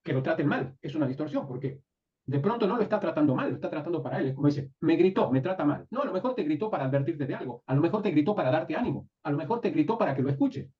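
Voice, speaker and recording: A man's voice: on the high side, lively intonation, very fast. Man lecturing a class from afar. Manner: asks the class frequent checking questions. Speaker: NLP teacher. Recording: distant, dull lo-fi room recording.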